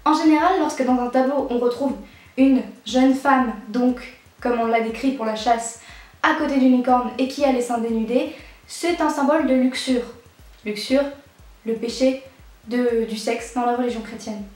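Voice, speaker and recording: A woman's voice: fairly high pitch, normal speed, a little mellow. A young woman explaining a history topic in a casual, playful way, with joking asides. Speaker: YouTube creator. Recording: very echoey room.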